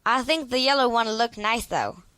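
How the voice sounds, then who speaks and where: A woman's voice: a little high, animated, moderate pace, fairly bright tone, clear, resonant tone, dry recording. A woman playing a patient, encouraging young twin sister in an audio drama, colloquial and easygoing. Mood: teasing, patient.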